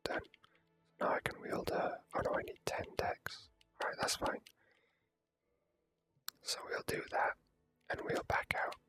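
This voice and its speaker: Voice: a little slow, pauses often, fairly bright tone, soft background music. A person whispering hesitant, rambling ASMR commentary while playing a video game, close to the microphone.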